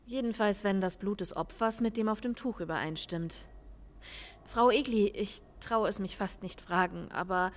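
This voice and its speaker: Woman acting as considered, polite police investigator for crime audio drama, medium pitch, long reverb. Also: moderate pace, close to an everyday voice. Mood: tentative. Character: measured, reasoning female police investigator.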